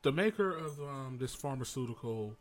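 A man's voice: lively intonation, normal speed. Male podcast host, casual and playful, loose conversational delivery. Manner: joking, playful, sings snatches in falsetto. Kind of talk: casual chat.

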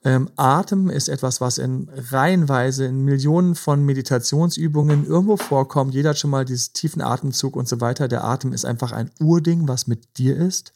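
A man hosting a podcast, gently advising couples in a casual chat, with many fillers. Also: medium pitch, fairly quick, creaky, hardly any pauses. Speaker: podcast host.

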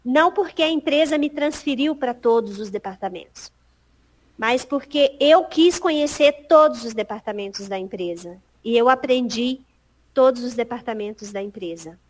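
A middle-aged woman, a guest in an interview, telling a story in a lively way and acting out past conversations. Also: fairly high pitch, normal speed. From Piauí, Brazil. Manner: acts out past conversations, animated.

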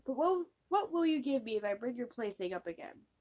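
A woman's voice: a little high, big pitch swings, brisk, darkish tone. A woman voicing a pleading male frog from a well in a fairy tale read-aloud, with a coaxing, bargaining manner.

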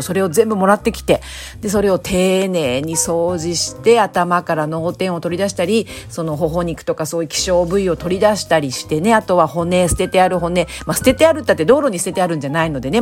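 Female solo host, hoarse and raspy, on the low side, polite chatty monologue, faint music behind. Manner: polite, chatty, frequent softening particles. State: hoarse, raspy voice from drinking the night before. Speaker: host of a snack-bar themed talk show. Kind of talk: casual solo chat monologue.

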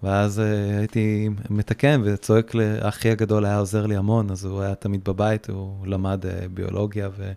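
A man in his thirties or forties, a podcast guest, talking casually and haltingly with many restarts. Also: lowish voice, completely flat delivery, gravelly, warm tone. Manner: hesitant, many restarts and fillers. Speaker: guest, surfboard repairer.

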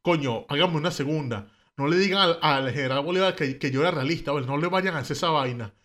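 Man playing a plainspoken old-time soldier, venezuelan accent, grumbly, low-key. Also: fast talker, fairly bright tone, lightly acted. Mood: grumbling. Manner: colloquial, blunt storytelling. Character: rough-spoken soldier of the independence wars, plain-talking.

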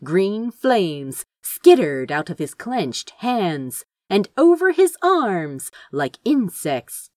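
A woman narrating fiction as an audiobook reader, in an expressive storytelling style. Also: mid-range voice, takes it slowly, hardly any pauses, no echo, clean studio sound.

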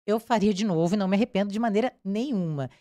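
A woman's voice: medium pitch, very fast, no room sound. A woman with a Brazilian accent, a crime reporter telling her story in a casual interview and acting out what people said. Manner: animated, acts out quoted dialogue.

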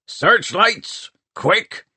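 A man voicing a gruff, blustering pirate mayor in an audiobook, snarling and hissing with rough, ungrammatical speech. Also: fairly low pitch, slow, a bit bright, no echo, exaggerated voice. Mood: urgent, shouting. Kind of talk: audiobook character voice.

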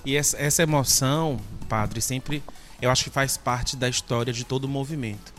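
A man, talking earnestly as a podcast guest and often filling with "né". His voice sits at a middle pitch. Faint music plays behind him. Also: steady tone, normal speed, fairly bright tone. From Salvador, Brazil. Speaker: guest, alumni association president. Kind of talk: podcast interview.

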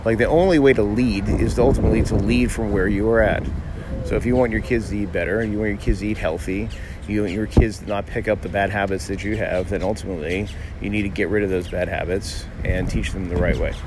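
A man's voice: fairly low pitch, fairly even intonation, fast talker. A middle-aged American man from Miami hosting a casual, conversational podcast monologue outdoors. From Miami, United States. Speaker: podcast host, doctor. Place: outdoors by a busy city street. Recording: outdoor street noise, passing cars. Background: traffic and urban ambience.

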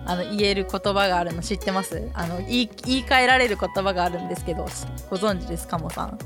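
A woman hosting a podcast in casual chat, chatty and quick to laugh, with lots of back-channel replies. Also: medium pitch, music in the background. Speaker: podcast host.

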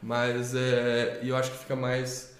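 A man's voice: medium pitch, monotone, slow. A man co-hosting a talk on teaching children to read, rambling with many restarts and tag questions. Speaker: co-host of a literacy channel. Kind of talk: casual explanatory talk. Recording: echoey room.

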